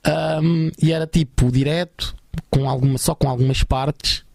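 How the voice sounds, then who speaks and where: Young Portuguese musician guest, gravelly and quick, slangy storyteller, dry close sound. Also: male voice, on the high side, steady tone, darkish tone, dry recording. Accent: European Portuguese. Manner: chatty, many fillers, slangy. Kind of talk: casual storytelling.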